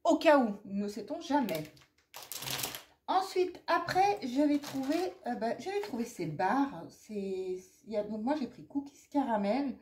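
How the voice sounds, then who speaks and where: A talkative middle-aged Frenchwoman rambles cheerfully through her haul, her voice sitting a little high. She keeps coughing, and a faint hiss lingers behind her. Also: animated, unhurried, a little mellow. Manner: chatty and rambling, many fillers and asides. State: persistent cough. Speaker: haul vlogger. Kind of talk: casual haul chat to camera.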